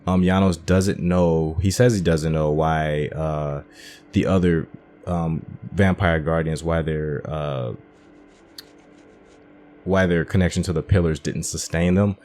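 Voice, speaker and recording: Male gaming host, deep pitch, casual commentary, informal explanatory delivery, thinking out loud. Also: steady tone, slow pace.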